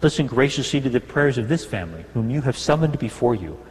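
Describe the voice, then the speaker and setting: A male priest reciting the Mass prayers in a large church, in a measured, solemn way. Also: mid-range voice, animated, a little mellow. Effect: cathedral echo, long reverb. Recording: long cathedral reverb with a faint hum.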